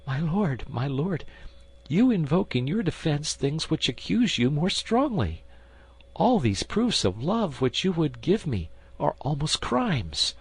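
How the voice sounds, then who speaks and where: A man reading an audiobook, voicing an anguished noble queen in a high, trembling, pleading voice. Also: sing-song, unhurried, husky, full character voice. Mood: protesting.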